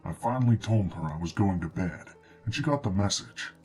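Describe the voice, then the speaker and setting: A man reading a scripted first-person horror story in a measured, understated way, as a narrator. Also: low voice, animated, darkish tone. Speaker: narrator of true scary stories. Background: background music.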